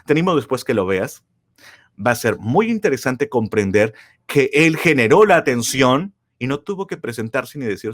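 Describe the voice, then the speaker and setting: A male speaking coach lectures with a lively, swooping voice that moves through its whole range. He is emphatic, keeps firing rhetorical questions at his listeners and repeats his key lines for effect. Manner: emphatic, with wide swings of pitch and loudness; asks the audience rhetorical questions. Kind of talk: motivational lecture.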